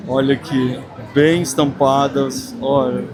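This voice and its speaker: A Brazilian man with a medium-pitched, steady voice takes his time as he hosts a casual walking vlog at a busy, large craft fair. He is effusive and speaks directly to viewers, and the fair's background noise is clearly heard.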